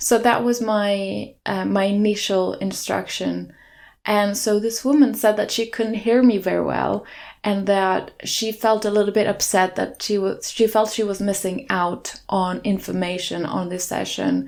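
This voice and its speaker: A soft-spoken woman with a non-native accent, medium pitch, fairly even intonation and a fairly slow pace, on a very clean recording against a silent background. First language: not English. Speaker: choreographer and podcast host. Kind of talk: podcast monologue.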